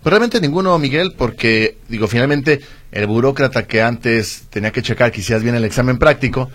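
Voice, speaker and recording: A man's voice: mid-range voice, brisk, fairly bright tone. A man with a Mexican accent co-hosting a radio show, playful and teasing. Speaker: radio co-host. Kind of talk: casual radio banter.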